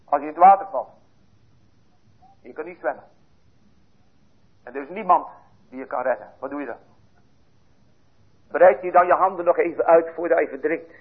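A man preaching a fervent sermon, dropping to hushed tones and then rising to loud appeals. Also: on the high side, moderate pace, pauses often, slightly rough. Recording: tinny lo-fi sermon recording.

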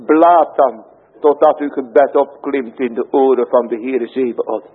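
A man preaching slowly and solemnly, his husky voice swelling to emphatic cries. The sound is thin and tinny, like a phone line, with a long hall reverb trailing each phrase. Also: mid-range voice. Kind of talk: sermon. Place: church.

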